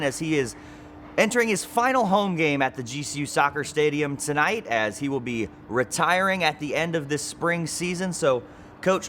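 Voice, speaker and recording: A man's voice: medium pitch, a bit bright. A young man hosting a sit-down sports interview, asking prepared questions.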